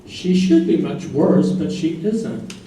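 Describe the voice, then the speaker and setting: A man's voice: fairly high pitch, animated, takes it slowly, dark tone. A man reading as an ensemble narrator in a scripted staged play reading. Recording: very echoey stage, distant mic, noise.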